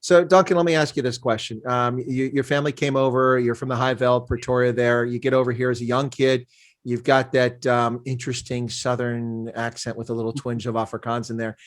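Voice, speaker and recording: A man's voice: mid-range voice, little pitch movement, brisk. A middle-aged man hosting a casual sports interview, asking long, rambling questions. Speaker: interview host.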